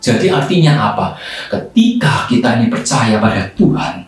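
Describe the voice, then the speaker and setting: Animated storyteller man. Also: medium pitch, moderate pace. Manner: animated, acts out voices, repeats "ya". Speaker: Sunday school teacher. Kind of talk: storytelling sermon for kids. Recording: echoey hall, distant mic.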